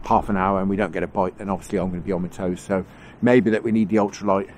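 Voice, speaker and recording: A man's voice: low voice, fairly even intonation, fast talker, darkish tone. A man with a cold, sounding nasal and bunged up, chatting casually outdoors on a riverbank as he films his own fishing trip, rambling and chuckling as he goes. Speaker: angling vlogger. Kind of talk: casual on-the-spot commentary. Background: faint wind noise.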